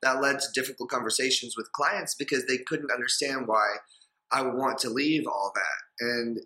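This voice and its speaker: A man's voice: mid-range voice, normal speed, bright, forceful tone. A man in his thirties, a podcast guest who works as a hairstylist, talking candidly in casual chat and swearing now and then. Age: 30s.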